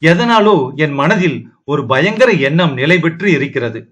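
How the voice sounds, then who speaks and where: A tearful young princess speaks in a fairly high, pleading voice, read by a man narrating an audio novel. She sounds sorrowful and afraid. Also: animated, normal speed, fairly bright tone.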